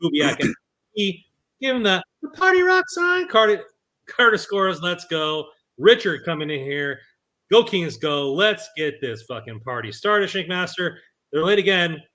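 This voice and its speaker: A man with a fairly high, bright voice hosts a live sports podcast. He talks with energetic, hype-building enthusiasm, chatting casually into a desk mic. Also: measured pace. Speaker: podcast host.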